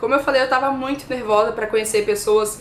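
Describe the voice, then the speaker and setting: A woman's high-pitched voice at a very fast pace, with ordinary pitch variation and noticeable background noise. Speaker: book vlogger. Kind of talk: casual vlog talk.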